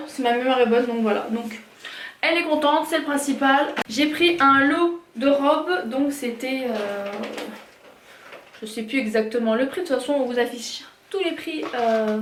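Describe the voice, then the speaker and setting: Brief: high-pitched woman from France, casual haul vlogger, talks with fillers, echoey room with faint hiss. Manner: chatty, hesitant with many fillers. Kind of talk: casual product haul chat.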